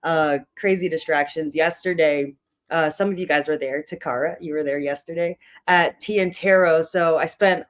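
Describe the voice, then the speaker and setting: A hoarse book club host with a tired voice, chatting loosely with many fillers while opening an online meeting. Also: mid-range voice, steady tone, moderate pace.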